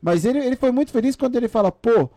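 A man's voice: very high-pitched, lively intonation, racing, dark tone, no room sound, clean studio sound. A man with a São Paulo Brazilian accent co-hosting a podcast in casual, slangy talk, repeating phrases for emphasis. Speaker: podcast co-host.

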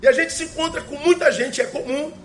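A male pastor, preaching a sermon emphatically with rhetorical questions and slowly repeated key phrases. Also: very high voice, fairly even intonation, a bit bright, slight background noise.

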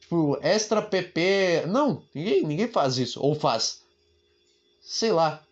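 A man's voice: on the high side, expressive, slow pace, muffled recording. A man hosting a solo podcast, talking in a sarcastic, rambling comic monologue from a room at home and swearing casually. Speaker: podcast host.

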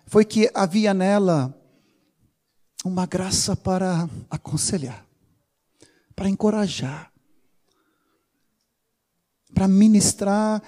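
High-voiced pastor. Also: male voice. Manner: animated, teasing, informal asides. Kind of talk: sermon.

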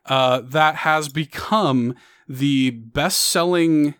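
A man's voice: fairly high pitch, drawn-out words, fairly bright tone, smooth, no echo. A man hosting a podcast, chatting casually and rambling with lots of fillers. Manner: rambling, many fillers, upbeat. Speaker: podcast host.

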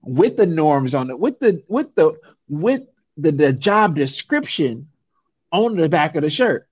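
A man's voice: a little high, big pitch swings, a little slow, a little mellow, husky, no echo, lo-fi sound. A young man from San Francisco, talking casually and emphatically, often ending points with a rhetorical "right?". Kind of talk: casual conversation.

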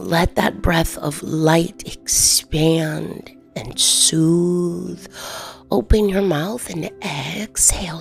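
A woman leads a guided meditation in a soft, soothing, partly whispered delivery with long pauses. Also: lowish voice, vocal fry. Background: soft background music.

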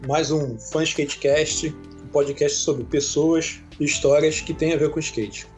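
A man's voice: fairly high pitch, steady tone, measured pace, darkish tone, faint music behind. A man hosting a podcast, greeting listeners informally and asking his guest short, friendly questions. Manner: friendly, informal, brief prompts. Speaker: podcast host. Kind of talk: casual podcast interview.

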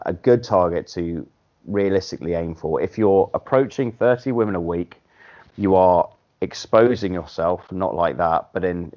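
A man hosting a podcast in casual chat, blunt and animated, swearing casually as he makes his points. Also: low voice. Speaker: podcast host. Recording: dull lo-fi podcast audio.

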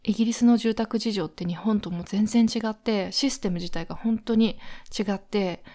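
A woman from Japan hosts her own podcast in a casual, chatty way. She rambles comfortably, padding her talk with soft fillers. Her pitch sits in an ordinary middle range. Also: moderate pace. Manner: chatty and friendly, with frequent fillers. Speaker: podcast host. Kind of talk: casual solo podcast chat.

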